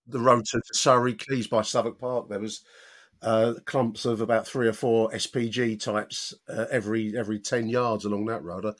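A man hosting a football podcast, talking in a measured, hesitant way with many repeats. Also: on the low side, steady tone. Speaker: podcast host. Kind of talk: casual football chat.

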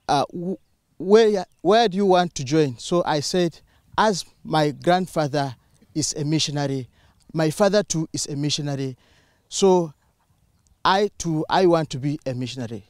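A man's voice: fairly high pitch, a little slow, long pauses, no room sound, clean studio sound. A young man from Uganda in the audience, earnestly telling a personal story into a handheld mic. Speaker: student in the audience.

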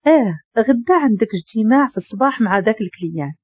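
Woman reading as a brisk, polite Moroccan secretary. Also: on the high side, expressive, slightly rough, no room sound, lo-fi sound. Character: polite young female secretary.

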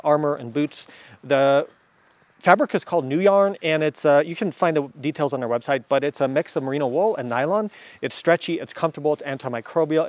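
Guy in his 30s going over his moto gear outside, lapel mic, kinda high voice, lots of ums. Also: no echo. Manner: enthusiastic, chatty, many fillers. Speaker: motorcycle gear reviewer. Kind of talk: casual gear review to camera. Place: outdoors beside a motorcycle and gear table.

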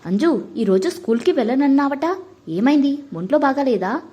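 A woman's voice: sits high, animated, normal speed, mellow. A woman voicing an awkward remarried father. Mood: coaxing. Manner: coaxing then curt.

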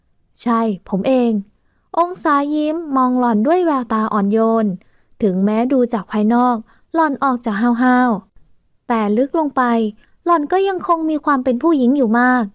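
High-voiced woman narrating an audio novel. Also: animated, normal speed, dry recording. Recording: dull dry studio recording.

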